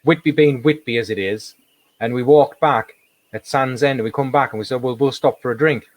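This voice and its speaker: A man with a slightly hoarse voice, chatting casually as an interview guest and telling anecdotes with emphatic repetition. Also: mid-range voice, brisk, dry recording. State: slightly hoarse, losing his voice. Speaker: paranormal investigator, interview guest.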